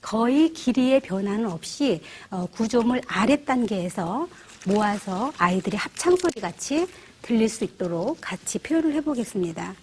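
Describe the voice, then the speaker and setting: A middle-aged woman teaching church flower arranging, explaining each step gently and often asking the viewer rhetorical questions. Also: on the high side, expressive, normal speed, a little hiss or hum. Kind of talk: instructional demonstration.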